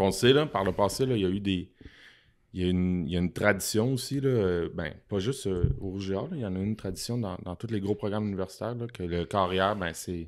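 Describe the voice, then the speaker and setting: Here a man talks at a fairly quick pace with a Quebec accent. His pitch sits fairly low. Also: ordinary pitch variation, quiet background. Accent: Québécois French. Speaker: podcast co-host; podcast host. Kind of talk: casual chat. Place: home room. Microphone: studio mic.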